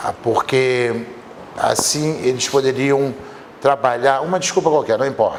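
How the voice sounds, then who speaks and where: Fairly slow speech with ordinary pitch variation against noticeable background noise. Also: man. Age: 60s. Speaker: TV interviewer and lawyer. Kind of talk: TV interview.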